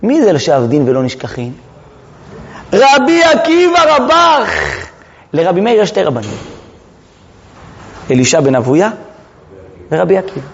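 Animated man teaching in a reverberant hall. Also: fairly high pitch, gravelly, long pauses. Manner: dramatic, rhetorical questions to listeners. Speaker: rabbi teaching Talmud. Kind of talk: Talmud lesson with animated storytelling. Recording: reverberant hall, dull lo-fi sound.

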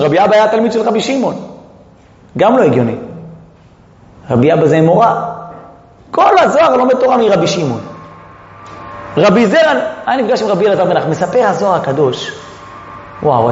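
A man giving a lively Torah lesson, quizzing his listeners with rhetorical questions and joking asides. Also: high-pitched, a little hiss or hum. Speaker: Torah teacher. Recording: echoey hall, muffled sound.

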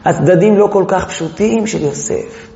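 A man giving a lively Torah lesson to a live audience, firing rhetorical questions and acting out the dialogue himself. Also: high-pitched, creaky, a little hiss or hum. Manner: animated, fires rhetorical questions, acts out the dialogue. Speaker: Torah teacher. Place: lecture hall with listeners. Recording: echoey hall, dull lo-fi sound.

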